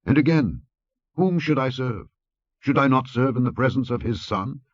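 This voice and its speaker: A man's voice: mid-range voice, animated, moderate pace, dry recording, highs cut off, pitched above the performer's own voice, natural voice. Male reader as loyal biblical courtier: earnest, formal, declamatory, voice raised, dry recording. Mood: earnest, pledging. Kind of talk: dramatic scripture reading.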